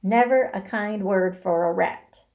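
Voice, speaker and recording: A woman's voice: medium pitch, a little slow, phone-quality sound, natural voice. A woman voicing a put-upon male rat in a children's story, sarcastic, mocking and full of complaint. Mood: sarcastic, aggrieved.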